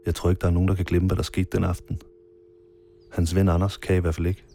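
A man narrating his own story in a quiet, measured first-person documentary style, with marimba music behind him. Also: low voice, flat delivery, slight background noise.

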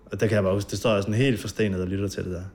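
Gravelly man recalling an old night. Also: lowish voice, steady tone, darkish tone, a little hiss or hum. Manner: halting, many fillers, vivid retelling. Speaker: interviewee. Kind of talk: recounting a memory.

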